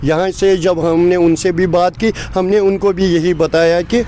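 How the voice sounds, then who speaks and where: A man's voice: high-pitched, steady tone, a little slow, dark tone. A man from Kashmir with a Kashmiri accent, telling local lore as an interviewee in an earnest, repetitive, rambling way. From Kashmir, India. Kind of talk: informal storytelling in an interview. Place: outdoors at a local site. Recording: clear background noise outdoors, passing vehicles.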